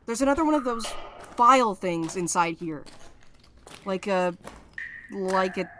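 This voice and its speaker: A woman's voice: medium pitch, lively intonation, a little slow, a bit bright, slight background noise. An actress playing a curious, puzzled woman exploring ruins, in naturalistic audio drama dialogue.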